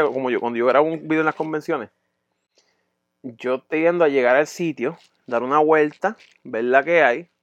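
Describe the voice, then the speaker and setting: A man telling a crude story in a podcast chat, profane and animated, acting out voices and sounds. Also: medium pitch, no room sound, lo-fi sound.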